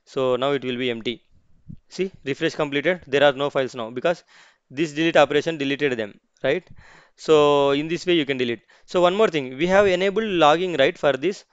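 A man hosting a screen-recorded software tutorial, explaining each step as he clicks, with frequent restarts and "okay, see" asides. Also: on the high side, a little fast, smooth, no room sound, dull audio. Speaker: tutorial host.

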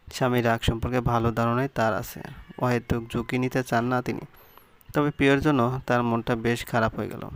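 A man's voice: mid-range voice, smooth. A man reading a romantic story aloud as a scripted narration.

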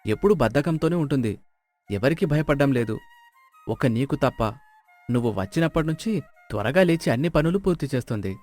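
An actor playing a mild, long-suffering village farmer and husband. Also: male voice, mid-range voice, animated, a little fast, pauses often, a little mellow, close to an everyday voice. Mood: wry, doubtful. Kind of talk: moral storybook character voice. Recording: music behind the voice.

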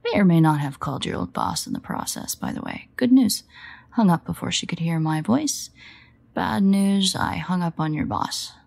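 A woman playing a sardonic, guarded but fond vampire in an intimate audio roleplay, wry and hesitant in manner, with a husky, gravelly voice. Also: lowish voice, a little mellow, full character voice. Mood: sheepish.

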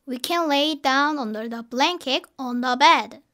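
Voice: high voice, measured pace, pushed and bright. A performer playing an earnest, anxious little kindergarten child in a children's storybook audiobook. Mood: worried.

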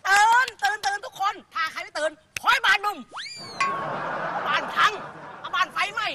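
This is a bossy schoolteacher in a TV sitcom, with a very high, brash voice that scolds and barks orders. The line sounds like an outdoor take with heavy noise all around. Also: female voice, moderate pace. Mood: mocking. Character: bossy loud female schoolteacher. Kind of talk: sitcom acting.

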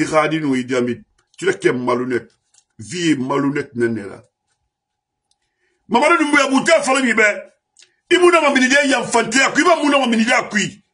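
A man from Guinea with a high, husky voice holds forth in an impassioned political monologue. He speaks as a diaspora commentator and drives his complaints home with repeated refrains. His voice often climbs into shouts. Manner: heated, rising to shouts, lists grievances with repeated refrains.

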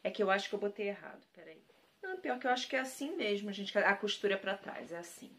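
Talking fast in an expressive, medium-pitched voice with a bit of brightness, a Brazilian woman shows off her thrift finds on camera. Chatty and effusive, she speaks right to her viewers and recycles the same words of praise.

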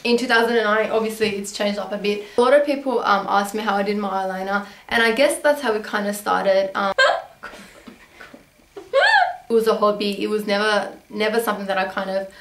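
A young woman sits in her bedroom answering viewer questions, rambling along with plenty of ums and restarts. She grew up in Australia, and Armenian is her first language. Her pitch sits mid-range, and the small room adds a clear echo. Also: lively intonation, moderate pace, fairly bright tone, slight background noise. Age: young adult. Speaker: beauty vlogger. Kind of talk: casual Q&A chat.

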